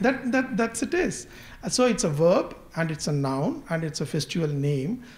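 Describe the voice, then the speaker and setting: A Tamil accent at a moderate pace. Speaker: embassy official introducing a cultural event. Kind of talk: speech to an audience. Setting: embassy hall with audience. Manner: hesitant, many fillers.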